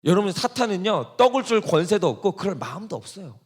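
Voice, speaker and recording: Animated high-voiced male pastor preaching. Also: fast talker, slightly rough. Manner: preaching with rhetorical questions to the congregation; acts out Satan's taunting voice in quotes. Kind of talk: sermon.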